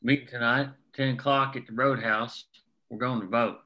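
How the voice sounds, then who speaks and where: Man playing a bright, resolute coal miner. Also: mid-range voice, steady tone, normal speed, natural voice, poor audio. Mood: plain, inviting. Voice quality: folksy rural working-class diction. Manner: plain-spoken, persuasive. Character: earnest, resolute male coal miner rallying fellow workers. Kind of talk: table-read acting.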